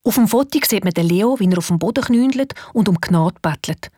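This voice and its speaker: Swiss German woman narrator, lively storyteller, breathy and dry-sounding, faint music behind. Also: medium pitch, brisk, dry recording.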